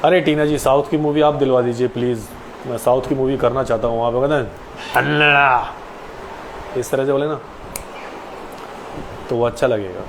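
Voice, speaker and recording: Man, late twenties, casual live chat, polite, average pitch, faint hum behind. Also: normal speed, long pauses. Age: 20s. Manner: polite, addresses viewers with "ji". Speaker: actor hosting a live Q&A. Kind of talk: casual live-stream chat answering viewers.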